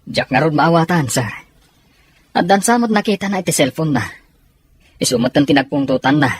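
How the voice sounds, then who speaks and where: A man's voice: on the high side, expressive, fairly quick, slightly rough, no room sound. A man playing an earnest, deferential soldier in a serial drama, speaking in a conversational, explanatory way. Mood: respectful. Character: earnest soldier, deferential, reasoning with his comrade. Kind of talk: Ilocano serial drama acting.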